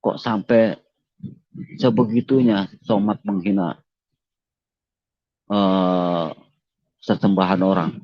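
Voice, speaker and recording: A man's voice: deep voice, steady tone, slow pace, pauses often, no echo. A man giving an emotional personal testimony in an interview, earnest, repeating himself and politely addressing his listener as sir. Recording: dull lo-fi dry recording.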